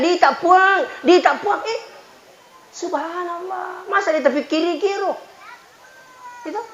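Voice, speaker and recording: A man's voice: very high voice, fairly bright tone. A man in his forties with a Bugis accent preaching a humorous, folksy Muslim sermon, bantering and repeating phrases to his listeners. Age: 40s. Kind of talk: humorous sermon mixing two languages. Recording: echoey, dull PA sound with crowd noise. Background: crowd murmur and light noise.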